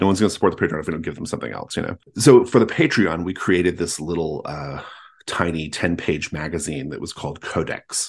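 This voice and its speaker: Talking at a very fast pace, a man with an American accent has a very deep, low pitch, ordinary pitch variation and big swings in loudness. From Southern California. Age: 40s. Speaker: game designer and publisher. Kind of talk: casual interview.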